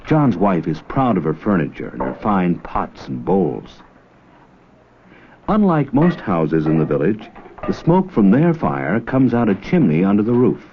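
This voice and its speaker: Low-voiced man narrating an old educational film. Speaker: documentary narrator. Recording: muffled, faintly noisy old 16mm film soundtrack.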